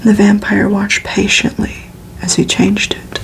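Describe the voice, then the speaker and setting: A woman reads gothic fiction as ASMR in a breathy, fully unvoiced whisper. Her delivery is very slow and deliberate, with pauses between phrases. The tone stays flat and hushed throughout, with little movement in pitch. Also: low-quality recording. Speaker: ASMR reader. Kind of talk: ASMR audiobook reading of a gothic novel.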